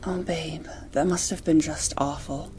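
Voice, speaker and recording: A sympathetic female partner, played by a woman, speaks in an amateur audio drama. Her voice is dark, warm and slightly low, with a soft, soothing and caring delivery. Faint music sits behind her. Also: steady tone, unhurried. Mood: tender, concerned.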